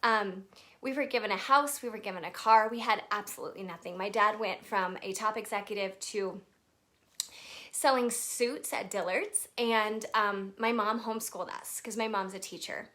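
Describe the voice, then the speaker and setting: A woman's voice: mid-range voice, normal speed, pushed and bright. A woman in her thirties from Texas, chatting nervously on a casual live video and greeting viewers by name. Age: 30s. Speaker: livestream presenter.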